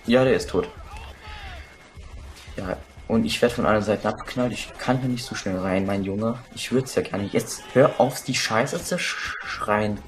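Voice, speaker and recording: A man's voice: lowish voice, unhurried, soft background music. Young man swearing through gameplay commentary. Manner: crude, swearing, excitable outbursts. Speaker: let's play gamer.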